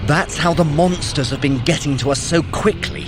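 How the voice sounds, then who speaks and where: A man's voice: fairly high pitch, normal speed, very noisy, close to an everyday voice. An actor playing a vain, sarcastic male trickster god in a scripted audio drama, theatrical and full of self-praise. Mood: sardonic. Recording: music bed under the voice.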